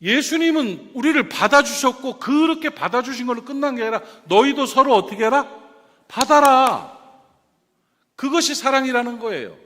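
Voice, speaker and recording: Lively high-voiced Korean pastor preaching. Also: male voice, brisk, hardly any pauses. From South Korea. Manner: animated, questioning the congregation. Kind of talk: sermon. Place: church sanctuary. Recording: reverberant church hall.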